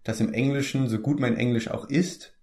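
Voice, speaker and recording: A man's voice: medium pitch, fairly even intonation, normal speed, darkish tone. A young man, an actor from the Palatinate in Germany, chatting casually in an interview, easygoing and full of hesitant fillers and restarts.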